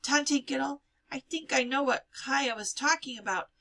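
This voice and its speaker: A woman's voice: high voice, moderate pace, sharp tone, voice pushed up, full character voice. A woman voicing an earnest, slightly squeamish young woman in a storybook reading. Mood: eager, uneasy.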